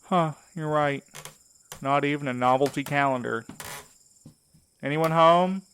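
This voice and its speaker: A man's voice: a little high, unhurried, a bit bright, a little hiss or hum. A man playing a wary, sarcastic night courier in an audio drama, with a wry, informal way of talking. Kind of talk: naturalistic audio drama acting.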